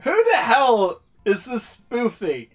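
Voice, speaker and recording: A YouTuber reading a visual novel aloud with slow, laughing, swearing commentary. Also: mid-range voice, very animated, breathy edge. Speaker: let's-play YouTuber.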